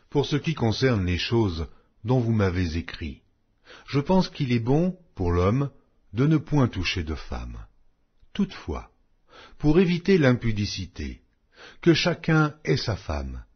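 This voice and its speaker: A man with a lowish, slightly breathy voice narrates a Bible audiobook, reading the scripted text in a solemn, declamatory style with emphatic phrasing. The audio sounds dull and lo-fi.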